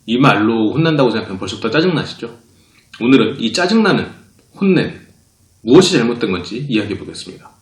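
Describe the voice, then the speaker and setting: A man's voice: mid-range voice, fast. A man who runs a psychology talk channel, explaining a point and acting out short quoted lines as he goes. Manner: lively, acts out quoted speakers. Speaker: psychology channel director and lecturer. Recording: roomy echo.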